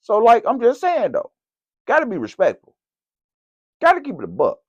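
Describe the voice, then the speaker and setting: Animated man giving slangy sports takes. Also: extremely high pitch, moderate pace, dry recording. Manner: animated, slangy, talks straight to camera. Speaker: sports vlogger. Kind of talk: casual sports commentary. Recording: dull, lo-fi, dry recording.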